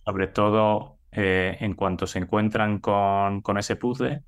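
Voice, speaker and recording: Man with a Madrid accent, deep low voice, thoughtful, hesitant interview guest. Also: flat delivery, clear, resonant tone. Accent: Madrid Spanish. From Madrid, Spain. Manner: measured, thoughtful, many hesitations and repeated words. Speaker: guest, head of sales. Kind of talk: interview answers.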